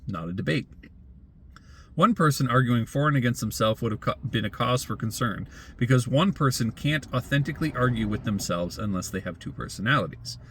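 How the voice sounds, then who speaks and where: A man's voice: medium pitch, slightly rough. A man reads a scripted opinion essay aloud as a commentator, in a wry, sardonic, rhetorical manner. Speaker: blogger and commentator.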